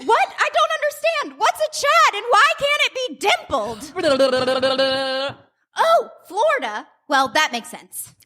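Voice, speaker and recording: Woman playing a very high, excitable housewife. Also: slow pace, exaggerated voice. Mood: bewildered. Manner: theatrical, breathless exclamations and gasps. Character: excitable, melodramatic 1960s housewife and mother, sweetly naive. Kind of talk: staged radio play parody.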